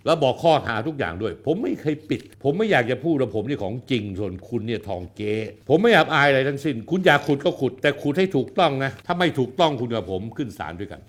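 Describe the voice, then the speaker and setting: A man's voice: mid-range voice, sing-song, fast, hardly any pauses. An older man in his sixties, a political commentator addressing a rival directly, blunt, coarse and accusatory. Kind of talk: confrontational on-camera address.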